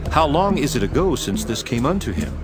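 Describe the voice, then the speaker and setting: A man's voice: medium pitch, sing-song, a little fast, lightly acted. A man playing Jesus as a solemn, authoritative teacher in a dramatized scripture reading, declamatory and commanding. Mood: questioning. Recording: music behind the voice. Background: music.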